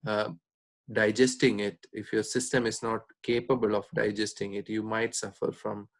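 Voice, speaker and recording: Low-pitched man explaining, measured and hesitant. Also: level tone. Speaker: Ayurvedic doctor giving a diet talk. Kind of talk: informal explanatory lecture.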